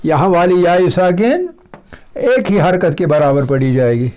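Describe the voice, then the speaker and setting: A man teaching a recitation lesson, patiently explaining and repeating example words slowly, often checking that his listeners follow. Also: high voice, big pitch swings, a little mellow. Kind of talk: tajweed lesson.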